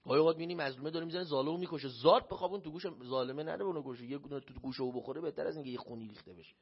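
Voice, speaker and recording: Man, preacher, sermon, high voice, husky, dull lo-fi sound. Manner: animated storytelling, acting out quoted voices. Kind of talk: religious sermon with a personal story. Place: shrine hall. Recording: dull lo-fi recording.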